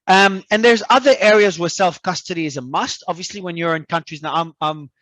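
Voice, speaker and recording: A man from Australia, a guest talking in an animated, emphatic way and often repeating words as he restarts. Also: high voice, brisk, dry recording. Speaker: crypto entrepreneur guest. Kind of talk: casual interview talk.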